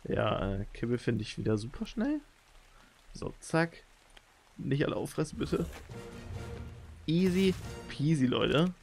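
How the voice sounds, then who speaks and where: A young man giving excitable, slangy commentary while playing a video game as a channel host. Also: medium pitch, a little slow, vocal fry, pauses often, soft background music. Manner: excitable, slangy, frequent exclamations. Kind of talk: let's play commentary.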